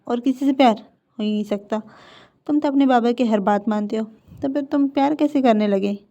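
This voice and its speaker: A woman's voice: fairly high pitch, moderate pace, warm tone, close to an everyday voice. A woman voicing a prying, teasing young female college friend, in a dull lo-fi recording. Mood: curious.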